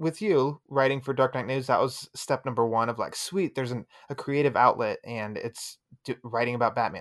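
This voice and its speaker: A man with a plain, everyday voice talks at a medium pitch with ordinary pitch variation against a quiet background. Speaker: podcast host. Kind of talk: casual chat.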